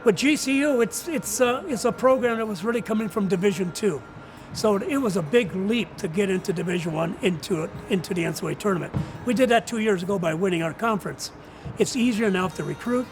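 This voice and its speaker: Older man, high-pitched gravelly voice. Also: animated, a little fast, over music, poor audio. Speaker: retiring college soccer coach. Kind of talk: reflective interview answers.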